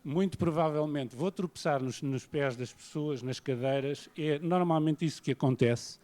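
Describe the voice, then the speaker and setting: Man, european portuguese accent, university lecturer, warm dark tone, measured self-deprecating delivery. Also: on the high side. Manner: measured, self-deprecating, paces around while speaking. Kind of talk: academic lecture. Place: lecture hall.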